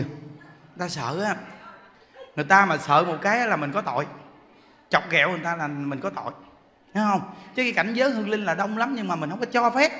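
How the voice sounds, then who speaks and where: A man's voice: high voice, sharp tone, in a large hall. A man giving a Buddhist dharma talk, telling funny ghost stories with laughter and acted-out frightened cries. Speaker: Buddhist monk teacher. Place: temple hall.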